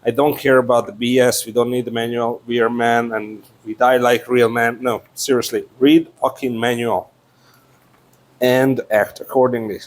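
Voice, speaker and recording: A man's voice: mid-range voice, flat delivery, normal speed. A man chatting casually and unscripted as he unboxes a product, with playful, sweary asides.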